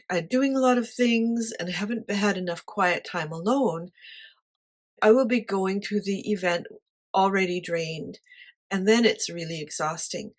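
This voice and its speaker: A woman with a quiet voice talking casually to camera about her life, light-hearted and honest in manner. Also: medium pitch. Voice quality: quiet voice that does not carry. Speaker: artist sharing life advice.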